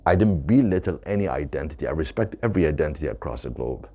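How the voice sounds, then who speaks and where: A man's voice: a bass voice, lively intonation, fast talker, dark tone. A man of Arab origin, an author, speaking emphatically about his book and repeating his points to drive them home.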